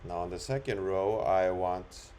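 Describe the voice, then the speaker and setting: A man talking through an unscripted screen-recorded software demo, explaining it step by step in an instructional way. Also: low voice, unhurried, slight background noise. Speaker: software demonstrator.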